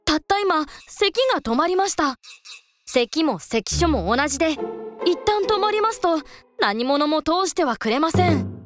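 A quick-witted young boy monk; high, lively, polite and cheerful, light music underneath. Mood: sly. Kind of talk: children's folk tale audio drama.

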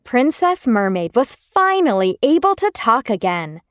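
Woman narrator, children's story, expressive and exclamatory, lively in pitch. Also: unhurried, dry recording, studio quality.

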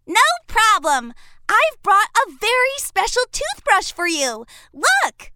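A woman's voice: extremely high pitch, huge pitch swings, takes it slowly, sharp tone, no echo, clean studio sound, voice pushed up, full character voice. A woman voicing a brave, cheerful young boy prince in a storybook, sounding eager and encouraging. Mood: chirpy. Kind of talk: storybook character voice.

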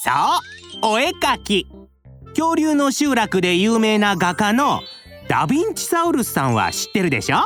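A woman's voice: sits high, sing-song, a little slow, a bit bright, faint music behind, exaggerated voice. A woman voicing a mischievous young male dinosaur egg thief, boyish and eager, stammering as he talks. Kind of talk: children's audio drama acting.

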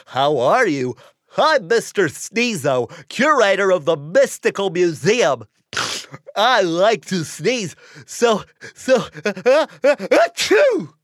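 A man's voice: high-pitched, sing-song, slow pace, fairly bright tone, no room sound, clean studio sound, exaggerated voice. An actor playing a plump, jolly male museum curator with a red nose who giggles and sneezes, in a children's cartoon.

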